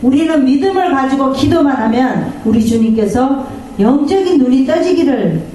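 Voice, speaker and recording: A woman's voice: high voice, lively intonation, normal speed, warm tone. A woman pastor preaching a sermon, drawing amens from the congregation and acting out the voices she quotes. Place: church sanctuary. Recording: echoey church hall from far off.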